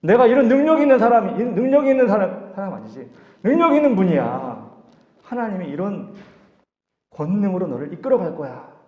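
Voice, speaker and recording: High-voiced man preaching in an echoey church. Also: a little fast. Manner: lively preaching, acts out voices in dialogue. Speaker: youth pastor. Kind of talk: sermon. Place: church sanctuary. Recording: echoey hall, dull lo-fi sound.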